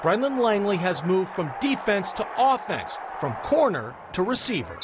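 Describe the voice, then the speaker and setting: A man narrates a sports report in a high, swooping voice with dramatic phrasing. There is clear noise behind him. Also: sing-song, normal speed, a loud crowd.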